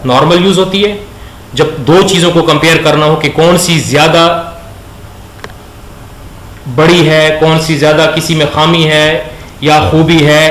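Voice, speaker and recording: A man teaching a grammar lesson. He asks questions and slowly drags out words so the class can repeat them. His voice sits a little high and rings in an echoey room. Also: a bit bright. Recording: echoey room with faint background noise.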